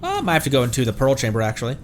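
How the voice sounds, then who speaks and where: A man's voice: mid-range voice, wildly swooping pitch, racing, slight background noise. A man streaming a video game, commenting casually and reading in-game text aloud. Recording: music behind the voice. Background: video game music.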